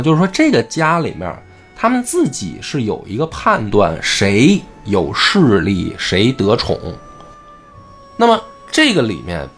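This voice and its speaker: A man hosting a casual talk show, explaining a classic novel and acting out the quoted characters. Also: medium pitch. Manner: animated, acts out quoted characters. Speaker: host.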